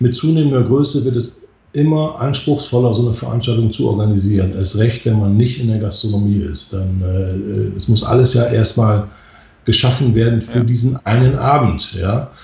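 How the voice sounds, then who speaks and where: A normal speaking voice from a man, at medium pitch, with ordinary pitch variation. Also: moderate pace. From Lower Saxony, northern Germany. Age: 50s. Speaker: mobile DJ and event organizer. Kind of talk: livestream interview.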